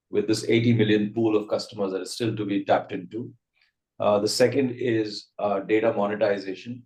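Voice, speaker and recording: A man's voice: fairly low pitch, darkish tone. A man with an Indian accent answering as a company executive on an earnings call, methodically setting out his points. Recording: roomy echo.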